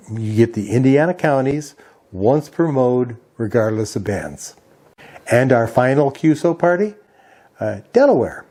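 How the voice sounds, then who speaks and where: Mellow-voiced man giving a methodical rundown. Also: medium pitch. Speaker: amateur radio video host. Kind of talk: explanatory rundown from notes.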